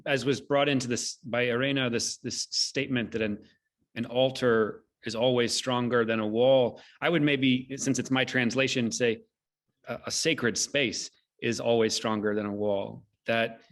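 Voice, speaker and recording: Guy hosting a thoughtful zoom discussion, medium pitch voice. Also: fairly even intonation, moderate pace, fairly bright tone. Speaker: moderator and translator. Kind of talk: thoughtful discussion moderating on a video call. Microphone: video call.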